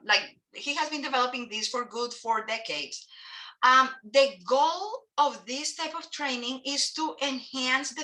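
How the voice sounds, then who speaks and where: A woman's voice: high-pitched, sharp tone, low-quality recording. A woman from Colombia with a Colombian Spanish accent, Spanish her first language, giving a lecture as a family therapist and hesitating with frequent fillers and restarts. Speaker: couple and family therapist presenting a training. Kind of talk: lecture presentation to an audience.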